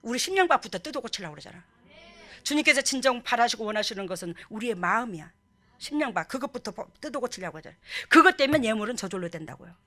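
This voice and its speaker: Animated woman pastor, bright high voice. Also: fast talker. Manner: animated preaching, acts out quoted voices. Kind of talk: sermon.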